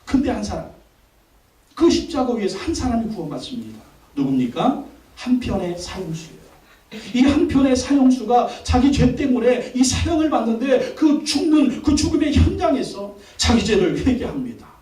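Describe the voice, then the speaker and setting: In an echoey church sanctuary, a male pastor delivers a Sunday sermon from off-mic, his voice distant. He speaks at normal speed with an extremely high, sing-song pitch and a dark tone, stressing his words, repeating phrases, and putting questions to the congregation.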